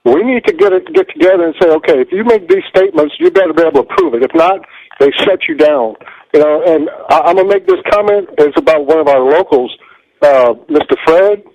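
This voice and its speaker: A man's voice: fairly high pitch, huge pitch swings, brisk, vocal fry, a little mellow, dry recording. A man calling in to a radio show, making his point in an earnest, argumentative way. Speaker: caller. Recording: phone line.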